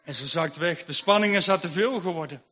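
Male storyteller, high bright voice, hushed and suspenseful, long hall echo, faint music. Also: brisk, a little hiss or hum. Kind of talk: dramatic Christian story narration.

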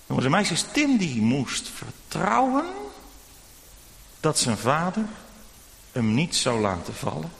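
A man preaching a children's sermon in church, telling a story gently and speaking directly to the children. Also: fairly high pitch, very animated, takes it slowly, creaky, long pauses. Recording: long church reverb.

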